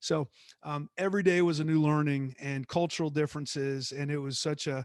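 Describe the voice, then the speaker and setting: A man with an American accent and a plain, everyday voice speaks at a fairly quick pace. His pitch is fairly high and his intonation fairly even. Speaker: former theme park executive, consultant. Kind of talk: guest talk to a class.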